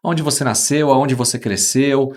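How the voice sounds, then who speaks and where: A man's voice: medium pitch, steady tone, measured pace, darkish tone. A man hosting a podcast interview, talking with enthusiasm and emphasis. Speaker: host.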